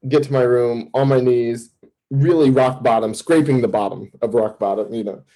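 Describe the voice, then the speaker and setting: Husky-voiced man telling his testimony. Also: mid-range voice, poor audio. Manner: animated storytelling, acting out his own past thoughts; fast bursts with restarts and fillers. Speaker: campus minister, podcast guest. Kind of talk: personal testimony in an interview.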